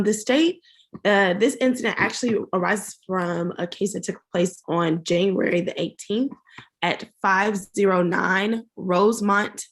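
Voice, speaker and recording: A woman prosecutor arguing formally before a judge over a video call, spelling out names and addresses letter by letter. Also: mid-range voice. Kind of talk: formal courtroom argument.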